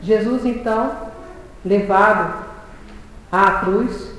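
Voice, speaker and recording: A woman giving a reflective religious talk, reading scripture aloud slowly and solemnly. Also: mid-range voice, a little hiss or hum. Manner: reads scripture aloud in a slow, solemn cadence. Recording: very echoey hall.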